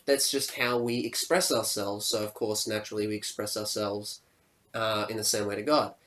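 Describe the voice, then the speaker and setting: A young man hosting a casual podcast discussion, upbeat and quick to laugh, often acting out reactions. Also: fairly low pitch, little pitch movement, fairly bright tone. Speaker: podcast host.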